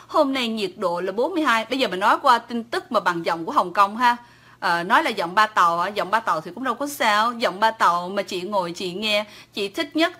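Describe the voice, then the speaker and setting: A woman's voice: on the high side, pushed and bright. A woman with a Southern Vietnamese accent, chatting casually on a livestream and answering viewers' comments, talkative and teasing, laughing often. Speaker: livestream host.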